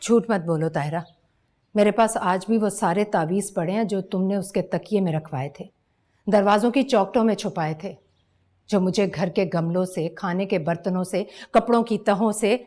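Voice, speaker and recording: A woman's voice: mid-range voice, normal speed, warm tone, close to an everyday voice. An actress playing a bitter, weary mother who speaks coldly and accusingly, in Pakistani Urdu. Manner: cold, accusing. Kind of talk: TV drama acting.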